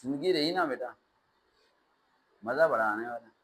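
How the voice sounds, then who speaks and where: A man teaching a test-prep class, lecturing in an animated way with sarcastic, ranting asides. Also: mid-range voice, moderate pace, breathy edge, rough recording.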